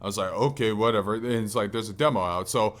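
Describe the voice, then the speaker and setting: A man with a fairly low voice talks as a podcast co-host. His delivery is casual and conversational, and it rambles along like a chat between gaming friends. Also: fast talker, a bit bright. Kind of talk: casual chat about video games.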